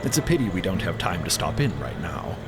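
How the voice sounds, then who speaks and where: A man voicing a courteous, genial gentleman in an audio drama, speaking politely and with measured emphasis. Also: low voice, big pitch swings, loud music behind the voice. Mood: appreciative, wistful. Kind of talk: audio drama character acting.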